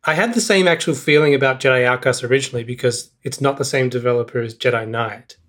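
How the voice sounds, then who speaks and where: A man's voice: medium pitch, fast talker, fairly bright tone. A young man co-hosting a casual podcast chat, wry and self-mocking, laughing often at his own stories. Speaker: podcast co-host.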